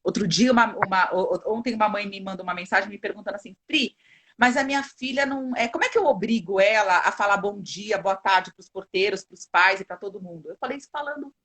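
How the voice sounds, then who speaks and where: A woman's voice: mid-range voice, fast talker, fairly bright tone. A woman with a Brazilian accent, a parenting educator chatting earnestly on a live video call and acting out quoted lines. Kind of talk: casual live chat.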